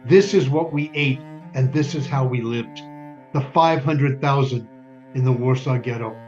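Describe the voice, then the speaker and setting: An actor playing a stern yet tender, grieving Jewish father in a wartime ghetto, speaking in solemn, deliberate stage monologue with weighty pauses. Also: medium pitch, darkish tone, natural voice. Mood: bitter, mournful. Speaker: stage actor in community theater. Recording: dull lo-fi recording, music underneath.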